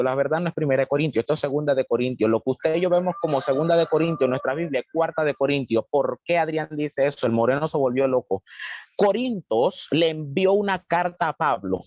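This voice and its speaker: A man with a fairly high voice teaches a Bible study, preaching in an earnest way and stopping often for an amen or to address his brother. He talks over a video call. The sound is muffled and dry, with no room around it. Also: no room sound. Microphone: video call mic.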